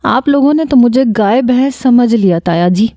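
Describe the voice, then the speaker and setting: A woman's voice: on the high side, lively intonation, mellow, dry recording, pitched above the performer's own voice, close to an everyday voice. A woman doing an indignant young woman. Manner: indignant, protesting.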